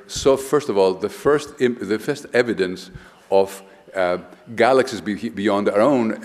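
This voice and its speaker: An older man from Greece lectures from a lectern in a large hall, his voice trailing into a long reverb. He speaks in a lowish register and talks emphatically, stumbling over restarts and repeated words. The sound comes from a live conference recording. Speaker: architect giving a conference lecture.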